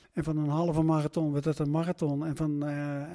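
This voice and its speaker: A man talks in a dark, mellow tone at a moderate pace. The recording is very clean, with a silent background. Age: 70s. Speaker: triathlete. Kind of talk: interview. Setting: at home kitchen table.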